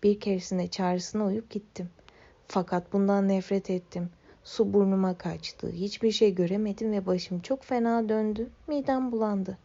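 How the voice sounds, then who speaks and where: A young woman tells a children's story in the first person, gentle and wistful. Her voice is mellow with a gravelly fry underneath. The recording has a slightly muffled, lo-fi sound. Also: medium pitch, steady tone, moderate pace.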